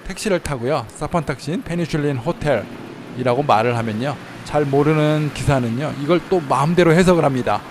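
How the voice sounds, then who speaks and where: A man giving casual travel tips in a chatty way, slowing down to spell out how words sound. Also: on the high side, noisy background. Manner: chatty, slows down to spell out pronunciations. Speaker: travel vlogger in Thailand. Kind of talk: casual explanatory talk. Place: inside a car while driving.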